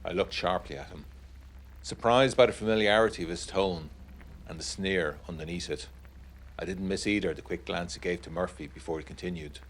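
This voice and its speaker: A man acting an educated 1920s gentleman who reads out his uneasy letter in a formal, measured, literary way. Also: low voice, a little hiss or hum, natural voice, rough recording. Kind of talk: dramatic reading of a gothic period letter.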